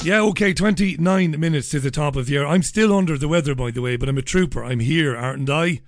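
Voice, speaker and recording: A male radio host, hoarse and losing his voice, chatting casually and joking as he reads out listener messages. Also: a little high, fast, faint music behind.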